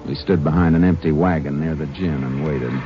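An actor in a 1950s radio drama playing a calm, determined Texas Ranger who narrates in first person with clipped, matter-of-fact delivery. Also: male voice, rumbling low, brisk. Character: steady, determined Texas Ranger lawman, adult man. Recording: dull 1950s radio transcription, noisy.

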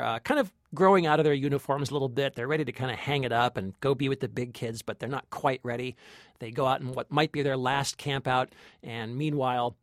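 A man's voice: medium pitch, fairly bright tone, dry recording, studio quality. An American man co-hosting a film review podcast, talking informally and conversationally, with hedged opinions.

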